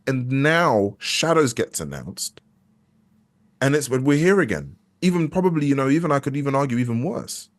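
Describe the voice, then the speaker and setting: A very animated, medium-pitched voice at normal speed belongs to a young actor guesting on an interview. He speaks casually and frankly, thinking out loud, often hesitating and beginning his sentences again.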